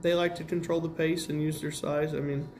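Higher-voiced American male coach over noise. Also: level tone, brisk, a little mellow. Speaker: high school basketball coach. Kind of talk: interview answers, game analysis.

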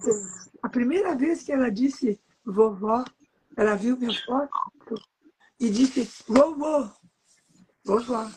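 A woman in her eighties, from Brazil, talking in a fairly high voice and sounding like a doting grandmother. She chats casually and reads short lines aloud from her own books. A faint hiss of background noise sits behind her. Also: animated, takes it slowly, pauses often. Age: 80s. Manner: warm, doting grandmother, pointing at pages with "ó". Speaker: author and guest.

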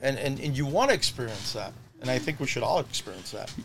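A man's voice: medium pitch, expressive, quick pace, vocal fry, fairly bright tone, slight background noise. A man who is a guest on a podcast and runs a cigar business, chatting casually, repeating himself and swearing offhandedly. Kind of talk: casual chat.

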